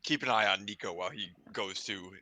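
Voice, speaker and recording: A man playing in a tabletop game over voice chat, hesitant and filling pauses with ums. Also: lowish voice, sharp tone. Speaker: player. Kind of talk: casual tabletop role-play over voice chat.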